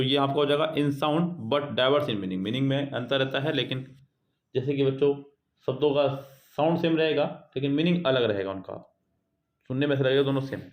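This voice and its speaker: Man teaching exam English, slow reads. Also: medium pitch. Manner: reads English questions slowly, explains in Hindi; keeps addressing students as "guys" and "children". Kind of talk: exam prep lesson, reading questions aloud.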